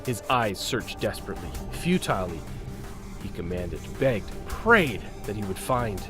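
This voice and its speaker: A man's voice: fairly low pitch, sing-song, a little slow, over music. A man narrating a scripted audio drama with intense, suspenseful delivery, broken phrase by phrase.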